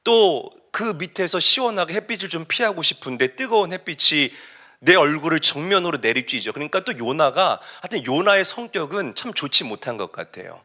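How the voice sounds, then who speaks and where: A man's voice: on the high side, big pitch swings, brisk, bright, forceful tone. A man preaching a sermon, telling a story emphatically and asking the congregation rhetorical questions. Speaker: pastor.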